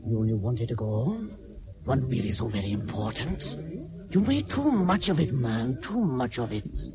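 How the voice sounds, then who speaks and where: Man as firm reproachful miner, lively pitch, crowd murmur behind. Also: moderate pace, close to an everyday voice.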